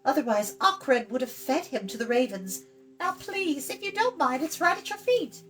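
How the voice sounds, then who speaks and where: A woman's voice: sits high, lively intonation, moderate pace, fairly bright tone, soft background music, voice pushed up. A woman voicing a chatty, blunt young girl in a fantasy storybook, in a light, musical voice with a breezy manner. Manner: breezy, talkative, matter-of-fact. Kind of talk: children's fantasy storybook reading.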